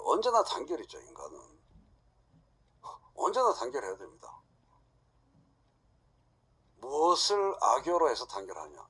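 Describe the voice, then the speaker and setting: A man's voice: a little high, a bit bright, slightly rough. A middle-aged man lecturing an audience, blunt and full of rhetorical questions.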